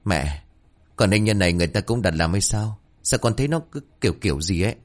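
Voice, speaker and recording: Guy doing a breezy careless young son, shrugs everything off, lowish voice. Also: lively intonation. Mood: casual. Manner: dismissive, breezy, quick talking. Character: careless, cheerful young adult son, an addict.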